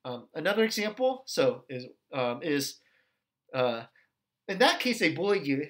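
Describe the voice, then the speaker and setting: A man teaching an ethics lesson in a relaxed, conversational way, often checking in with his listeners. His pitch swings widely and expressively. He drops into different tones as he acts out the questions he quotes. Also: a little slow. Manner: conversational, checks in with "okay" and "right". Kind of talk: recorded lecture video.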